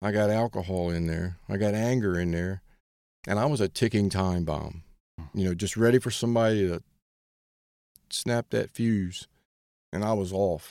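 At a moderate pace with long, frequent pauses, a man speaks with fairly low pitch, ordinary pitch variation and a dark, mellow tone in a very clean recording with a silent background. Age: 50s. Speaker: concrete worker sharing recovery testimony. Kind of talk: testimony.

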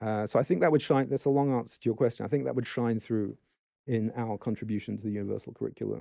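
In a southern English accent, a man with a medium-pitched, dark, mellow voice speaks at a very fast pace with ordinary pitch variation over a quiet background. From England (London). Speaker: rabbi and author. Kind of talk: casual interview conversation.

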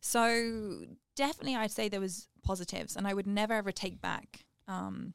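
A woman speaks in a southern English accent. The recording is very clean, with a silent background. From southern England. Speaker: health and fitness coach, former consultant. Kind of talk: interview conversation.

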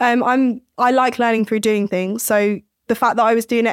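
A woman's fairly high voice, monotone and flat, at a very fast pace, with dry, close sound, no echo, and a very clean recording over a silent background. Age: 20s. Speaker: newly qualified early years educator. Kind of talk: casual chat.

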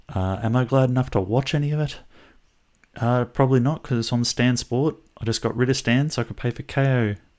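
Speaking with an Australian accent, a man keeps a fairly quick pace and fairly even intonation at a medium pitch. The recording is very clean, with a silent background. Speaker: sport podcast host. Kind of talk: solo casual monologue. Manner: rambling, informal.

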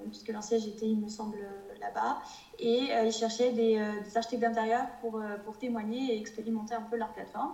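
The speech has monotone, flat intonation and long, frequent pauses, with audible room echo and noticeable background noise. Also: woman. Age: 20s. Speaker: interior architect and business owner. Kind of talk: interview conversation.

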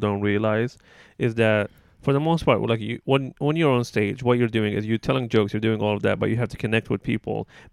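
Very fast and medium-pitched, a man talks with ordinary pitch variation. The sound is dry and close with no echo, a very clean recording over a silent background. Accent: Arabic. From Libya. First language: Arabic. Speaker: comedian. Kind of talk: casual chat.

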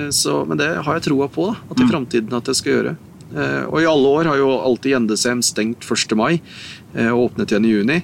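Keeping his loudness very even, a man speaks at a moderate pace and medium pitch with lively intonation. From Norway, Otta in Gudbrandsdalen. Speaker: mountain lodge manager. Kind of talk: casual interview. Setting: outdoors on a mountain.

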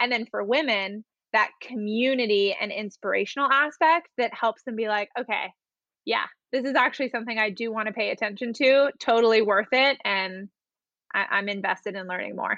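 This woman has a normal speaking voice, speaking at a fairly quick pace with a fairly high pitch and ordinary pitch variation. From US Southeast, Miami and Asheville. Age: 30s. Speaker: entrepreneur and finance educator. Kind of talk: casual interview.

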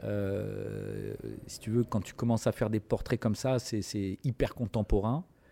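The recording is very clean with a silent background. The pace is fairly slow. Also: man. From France, Nice. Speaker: contemporary artist. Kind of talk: casual chat.

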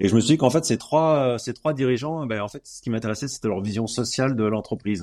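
With a quiet background behind him, the man's dark, mellow tone shows ordinary pitch variation. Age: 50s. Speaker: communications director and crisis PR agency founder. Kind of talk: interview. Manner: hesitant with fillers.

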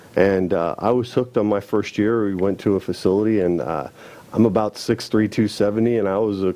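Using a normal speaking voice, a man talks at a moderate pace with fairly low pitch and fairly even intonation. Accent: American. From Florida, Pinellas County. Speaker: home care sales and marketing director. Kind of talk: interview.

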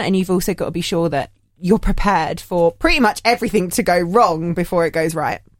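Here is a woman with an unremarkable speaking voice. She talks at a fairly quick pace in a fairly low pitch. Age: 30s. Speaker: podcast co-host. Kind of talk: casual chat.

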